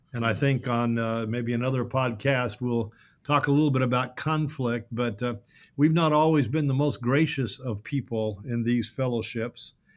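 A man with an unremarkable speaking voice talks at medium pitch and a moderate pace, his intonation fairly even against a quiet background. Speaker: university president. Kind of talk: interview conversation.

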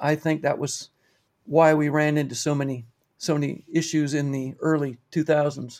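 A man with a Canadian accent and a plain, everyday voice speaks at a fairly slow pace with a fairly high pitch, recorded very cleanly over a silent background. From Canada, Ontario. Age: 60s. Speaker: missionary evangelist. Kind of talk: interview conversation.

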